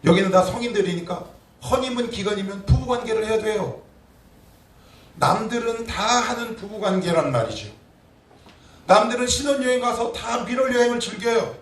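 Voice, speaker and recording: A man in his forties, a pastor preaching a conversational sermon full of rhetorical questions to his congregation. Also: high-pitched. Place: church sanctuary. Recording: echoey church from a distant mic.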